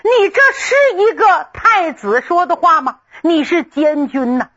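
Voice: very high-pitched, lively intonation, unhurried, bright, forceful tone, highs cut off, voice pushed up, heavily acted. A storyteller voicing a proud, stubborn young male general who talks back indignantly. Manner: indignant, defiant.

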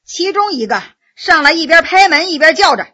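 A woman storyteller with a high, bright voice narrates a dramatic tale. She reads with lively expression, and her pitch swoops up and down as the story moves. It is an animated audiobook narration. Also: a little fast.

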